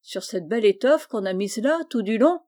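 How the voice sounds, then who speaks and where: A woman's voice: fairly high pitch, animated, normal speed, warm tone, lightly acted. A woman reading the part of a hearty, generous older male farmer in a storybook, jovial and exclaiming.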